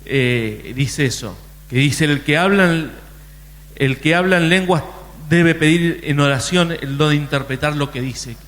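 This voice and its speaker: A man's voice: on the high side, unhurried, a bit bright, big-room sound. A man preaching a sermon in a conversational way, often restarting his sentences. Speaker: pastor.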